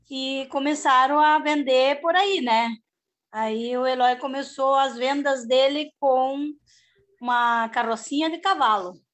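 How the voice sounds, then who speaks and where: A high-pitched middle-aged woman, speaking over a video call from her home. She rambles in a chatty, homespun way, restarting her sentences and tagging them with little checks. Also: fairly bright tone. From southern Brazil. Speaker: organic farmer. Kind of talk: casual video-call panel talk.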